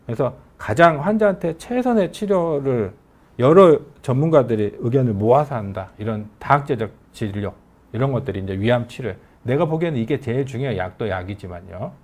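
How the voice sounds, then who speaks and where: A man's voice: mid-range voice, fairly quick. A middle-aged man, an oncology professor with a regional Korean dialect, giving a conversational medical lecture. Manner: animated, conversational lecturing that acts out patients' questions.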